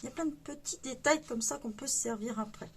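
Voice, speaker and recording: Brief: woman, channel host, upbeat coloring-book review, slightly high pitch, faint background hiss. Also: fast talker. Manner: chatty, enthusiastic, many fillers. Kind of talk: casual book flip-through.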